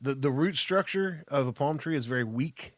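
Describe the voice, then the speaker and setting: A man's voice: mid-range voice, animated, normal speed, no echo. A man in his fifties with an American accent, bantering casually and crudely as a podcast co-host, with emphatic delivery. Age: 50s.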